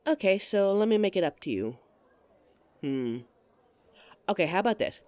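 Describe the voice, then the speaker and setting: A woman's voice: mid-range voice, very animated, normal speed, darkish tone, dry recording. A woman performing a scripted roleplay monologue to a listener, playful and giggly, with a teasing manner.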